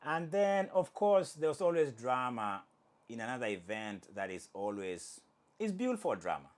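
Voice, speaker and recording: Animated jokey male sports host. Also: medium pitch, measured pace. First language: Swahili. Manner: animated, jokey, self-correcting. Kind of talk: casual sports commentary.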